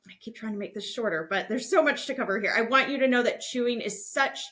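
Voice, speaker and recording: Female podcast host, higher-pitched voice; informal, instructive, reassuring delivery aimed at parents. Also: quick pace, sharp tone. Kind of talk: explanatory podcast talk addressed to parents.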